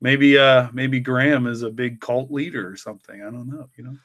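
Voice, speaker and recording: A man chatting casually as a story's co-creator, in a halting, rambling way that often repeats words. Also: medium pitch, fairly even intonation, fairly bright tone, no echo, clean studio sound. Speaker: co-creator and writer discussing his story. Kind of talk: casual chat.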